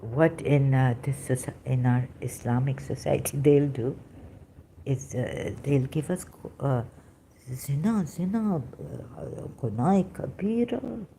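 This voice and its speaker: A woman with a low, mellow voice talks through a personal monologue. She stops often, fills gaps with hesitations and restarts her phrases while she hunts for words. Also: vocal fry, a little hiss or hum. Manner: halting, searches aloud for words, many fillers and restarts. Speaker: vlogger.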